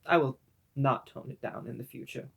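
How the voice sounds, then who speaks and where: A man's voice: medium pitch, fairly even intonation, vocal fry, fairly bright tone, breathy edge. A man reading a creepypasta aloud in a put-on spooky voice, breaking off for sarcastic comments to the listener. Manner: sarcastic asides mid-reading; deliberately drawn-out spooky delivery. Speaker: creepypasta reader. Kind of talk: mock-spooky comedic story reading.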